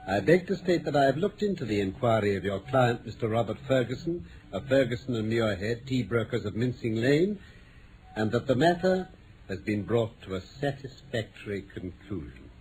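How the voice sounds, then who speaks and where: Guy acting brisk english detective, old radio drama, swoopy intonation, proper and exact, bit of hiss. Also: medium pitch, expressive, a little mellow, lightly acted, poor audio. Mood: formal, dictating. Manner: formal, precise, declamatory. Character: brisk, authoritative English male detective, incisive and courteous. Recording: vintage radio broadcast with faint noise.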